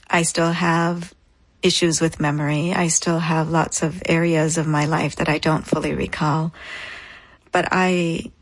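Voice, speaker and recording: Woman in her thirties, interview guest; earnest, reflective storyteller, slightly low and husky, close dry mic. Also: no room sound, low-quality recording. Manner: earnest, reflective, speaks in short phrases.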